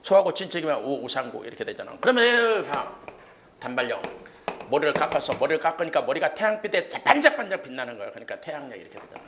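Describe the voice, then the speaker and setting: A man teaching an exam-prep history class in a cram school lecture room. He keeps firing quick questions at the students, shouts punchy "eh?" checks and uses jokey memory tricks. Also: mid-range voice, very animated, background noise.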